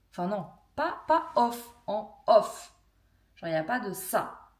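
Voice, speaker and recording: Against a quiet background, a woman's voice comes across somewhat breathy. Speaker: beauty and lifestyle vlogger; lifestyle vlogger. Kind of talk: casual vlog talking to camera. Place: home room. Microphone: phone near.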